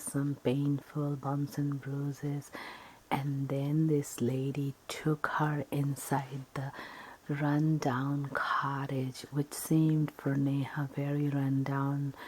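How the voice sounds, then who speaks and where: A woman tells a story in ASMR style, in a breathy whisper, with a halting, unhurried, improvised delivery. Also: sits low, a little mellow, rough recording.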